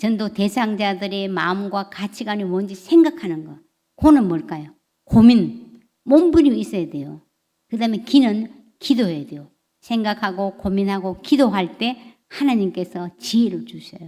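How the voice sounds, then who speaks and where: A woman with a medium pitch and a dark, mellow tone speaks at a moderate pace, her intonation lively and her loudness swinging widely. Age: 70s. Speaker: guest speaker on evangelism, church deaconess. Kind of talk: sermon. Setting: church.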